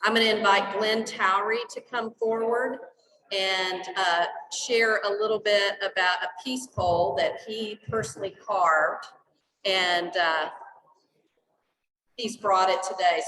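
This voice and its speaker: A woman leading a club meeting, giving clear, organized instructions for a group exercise. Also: mid-range voice, fairly even intonation, unhurried, sharp tone. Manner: organized, directive. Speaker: meeting facilitator. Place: meeting hall. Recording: echoey hall, mic held at a distance.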